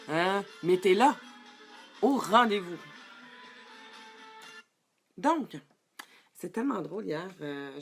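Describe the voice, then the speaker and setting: A middle-aged woman works as a life coach and gives a live-streamed talk, chatting with viewers, greeting them by name, and using many fillers. Her voice is lowish and creaky.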